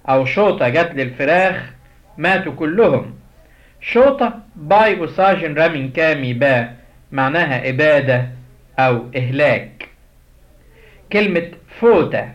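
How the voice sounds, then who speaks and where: A man with an Egyptian Arabic accent teaching a language lesson. He says each word and phrase slowly and repeats it as a drill. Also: a little high. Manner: slow, drilled repetition of words. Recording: dull lo-fi audio.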